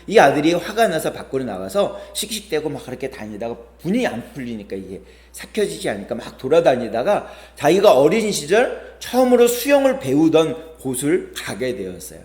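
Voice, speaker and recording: A man's voice: fairly high pitch, very animated, moderate pace, few pauses, darkish tone, roomy sound. A male pastor preaching a sermon, telling stories with quoted voices and rising, falling emphasis. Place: church sanctuary.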